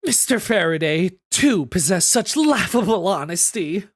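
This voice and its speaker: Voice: medium pitch, expressive, measured pace, slight background noise, close to an everyday voice. Streamer putting on a smug theatrical villainess. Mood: smug, menacing. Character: theatrical, taunting female master thief villain. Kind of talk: video game dialogue read aloud.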